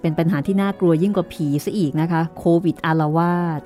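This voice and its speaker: A woman's voice: fairly low pitch, fairly even intonation, fast talker, warm tone, faint music behind. A woman hosting a chatty podcast, speaking through a face mask. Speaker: podcast host. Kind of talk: scripted-sounding but chatty show hosting.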